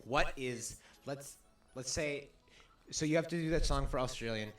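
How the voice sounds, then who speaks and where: A man's voice: mid-range voice, normal speed, a bit bright, soft background music. A man co-hosting a video game let's play, talking casually in a rambling, stop-start way full of fillers. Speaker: co-host of a gaming let's play. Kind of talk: casual chat while playing a video game.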